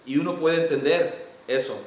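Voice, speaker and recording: A man preaching a sermon as pastor, earnest and emotional, building to forceful emphasis. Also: on the high side, steady tone, normal speed, reverberant. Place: church sanctuary.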